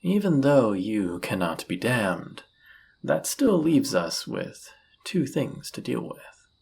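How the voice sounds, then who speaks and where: A man playing a suave, seductive demon in a flirty audio roleplay, husky and gravelly, with a teasing, theatrical, often murmured delivery. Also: medium pitch, sing-song, takes it slowly, a little mellow, exaggerated voice. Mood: mocking, impressed. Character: suave seductive male demon, smug and dangerous.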